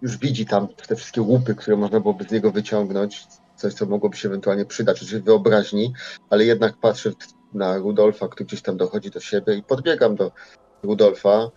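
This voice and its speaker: A man with a lowish, husky voice tells his character's actions in a tabletop game. He feels for his words, and the audio is dull and muffled. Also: steady tone, a little fast, warm tone.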